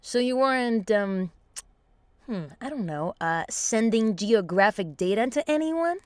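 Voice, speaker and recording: An actress playing a scrappy, sweary woman engineer in an audio drama, muttering to herself in an animated, exasperated way. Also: on the high side, measured pace, dry recording. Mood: tense, accusing.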